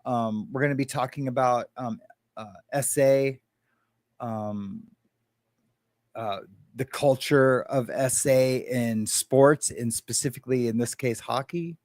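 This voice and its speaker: A man's voice: mid-range voice, fairly even intonation, slow, darkish tone, no echo. A man co-hosting a casual livestream chat, rambling with frequent laughs, fillers and restarts. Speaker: livestream co-host.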